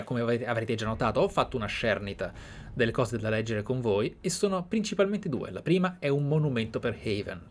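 A man with an Italian accent commentating on a video game, with theatrical delivery and reflective asides. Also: medium pitch. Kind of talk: game commentary with read-aloud in-game letters.

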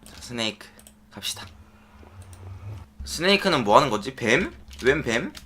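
A man giving excitable play-by-play commentary on his Minecraft minigames, often chanting and shouting as he plays. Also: mid-range voice, unhurried, husky. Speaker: gaming YouTuber.

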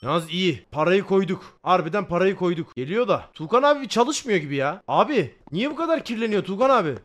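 A man streaming a game, chatting casually with his viewers, excitable and swearing, breaking into loud shouts. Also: high-pitched, brisk, slight background noise. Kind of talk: casual gameplay commentary with chat.

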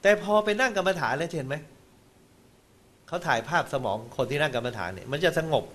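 A man giving a Buddhist dharma talk on television, explaining ideas in a lively, exclamatory way and slipping in English terms. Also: fairly high pitch, fairly quick, a little hiss or hum.

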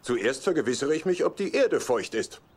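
Actor as earnest, guileless husband, very noisy track. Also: male voice, medium pitch, big pitch swings, moderate pace, natural voice. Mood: earnest, oblivious. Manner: earnest, oblivious. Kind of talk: dubbed sitcom acting. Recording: very noisy TV soundtrack with ambience.

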